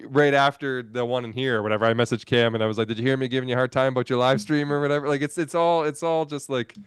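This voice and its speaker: Smooth-voiced man rambling on a video call. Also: medium pitch, fairly even intonation, quick pace, dry recording, studio quality. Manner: rambling, restarts and self-corrections. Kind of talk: casual chat on a live stream.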